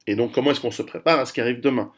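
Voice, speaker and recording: A man's voice: mid-range voice, racing, breathy edge. A man of Italian heritage hosting his own video channel, talking casually through a history lesson with many restarts and fillers. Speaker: video host. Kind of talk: casual history talk to camera.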